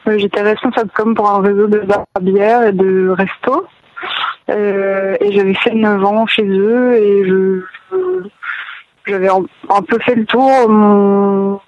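A woman from northern France, a guest in a casual interview, talking hesitantly with many pauses and fillers. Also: mid-range voice, dry recording, distant mic, highs cut off.

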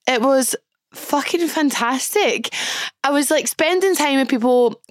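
Croaky Glaswegian woman podcaster. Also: high voice, expressive, a little slow, dry recording, clean studio sound. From Scotland. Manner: bubbly, chatty, swearing freely. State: hoarse. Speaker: podcast host. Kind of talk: casual chat.

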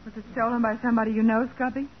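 An actress playing a spirited, independent young secretary with an American accent, outspoken and teasing in 1940s radio style. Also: female voice, a little high, flat delivery, rapid-fire, background noise, close to an everyday voice. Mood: earnest. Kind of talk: 1940s radio drama acting. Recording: tinny, narrow vintage radio recording.

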